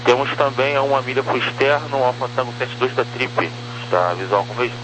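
A Brazilian man works as an air traffic controller on a police radio channel. His medium-pitched voice gives procedural instructions through clear radio noise and hum. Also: steady tone, brisk. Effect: radio transmission.

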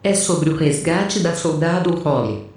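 A woman's voice: deep voice, expressive, a little slow, a little mellow. A woman playing an impetuous, theatrical female soldier and first mate in an audio drama. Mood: haughty, theatrical. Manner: theatrical, haughty. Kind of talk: audio drama acting and narration. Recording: roomy, distant, music underneath.

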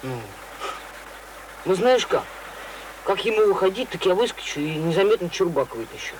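Cheeky high-pitched village boy. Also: animated, moderate pace. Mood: scheming, impatient. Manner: colloquial, offhand, cheeky. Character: mischievous, defiant village boy scheming pranks. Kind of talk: Russian radio play acting. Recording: noisy old radio play recording.

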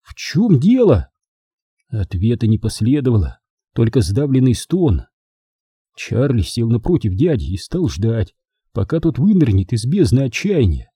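A man narrating a children's novel as an audiobook with expressive storytelling. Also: medium pitch, normal speed, slightly rough, no echo, studio quality. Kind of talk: scripted narration.

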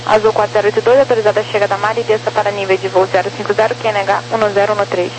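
A woman's voice: medium pitch, level tone, very fast. A Brazilian woman working as an air traffic controller, giving procedural instructions over aviation radio.

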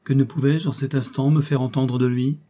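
A male audiobook narrator reading a classic adventure novel at a steady, expressive pace. His voice is dark and mellow, with a slightly husky edge, set in a mid range. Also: medium pitch, brisk. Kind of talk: scripted narration.

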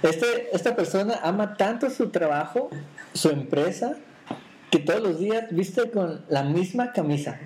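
A man, his voice sitting a little high. He hosts a relaxed podcast, teasing his co-host and stumbling over restarts as he jokes. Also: a little slow, slight background noise, poor audio. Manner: teasing, playful, restarts a lot. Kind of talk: casual joking chat.

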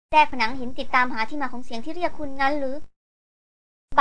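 A woman narrating a novel as an audiobook, in a steady storytelling manner. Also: fairly high pitch. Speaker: audiobook reader.

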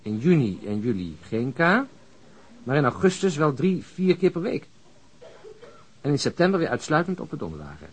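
A man's voice: fairly high pitch, sing-song, normal speed, long pauses, husky, poor audio. A man acting as a wry, easygoing police detective in a naturalistic radio drama, conversational and drily teasing. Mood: wry, reporting.

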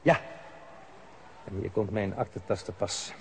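An actor playing a courteous, evasive police official in a radio play, speaking in a measured, officious way. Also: male voice, on the low side, gravelly, background noise. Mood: guarded, officious. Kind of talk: Dutch radio play acting.

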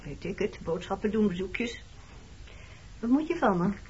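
A woman's voice: mid-range voice, lively intonation, normal speed, a little mellow, close to an everyday voice. Woman acting terse guarded woman in her thirties, pointed remarks, radio play dialogue, muffled lo-fi sound, background noise. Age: 30s. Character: slim woman in her early thirties, guarded, pointed toward an old flame. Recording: dull lo-fi radio recording, clear noise.

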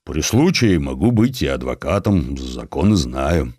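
Man playing a deep-voiced, proud young drifter. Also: very animated, measured pace, a little mellow, no echo, clean studio sound, heavily acted. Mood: defensive. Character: down-and-out young educated male wanderer, proud and calm.

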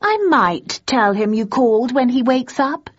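A woman's voice: fairly high pitch, animated, a little slow, voice pushed up. A woman reading an audiobook, voicing a smug, mocking young woman who talks down to her rival. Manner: disdainful, sneering. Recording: dull lo-fi recording.

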